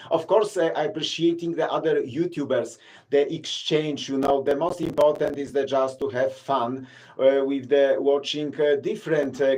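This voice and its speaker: A Polish tour guide talking casually to his live-stream viewers in accented, halting English full of fillers and restarts. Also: medium pitch, a little mellow. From Poland. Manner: halting, many fillers and restarts, non-native grammar. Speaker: city tour guide and vlogger.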